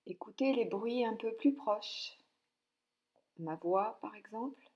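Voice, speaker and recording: A woman leading a guided yoga nidra relaxation, speaking calmly and softly with long pauses between short instructions. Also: a little high, lo-fi sound. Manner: calm, soothing, with long pauses.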